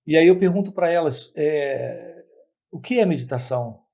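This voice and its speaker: Male spiritual teacher, gravelly and husky, slightly high, measured teaching talk to camera. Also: lively intonation, darkish tone. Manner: measured, repetitive phrasing with pauses.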